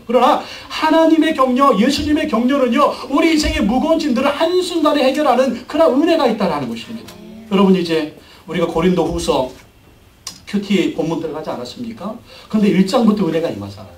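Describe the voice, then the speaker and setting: High-voiced male pastor in a roomy church. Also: fast. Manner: lively, acts out Jesus scolding Peter with humor. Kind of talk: sermon. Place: church sanctuary. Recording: roomy church hall, mic at a distance.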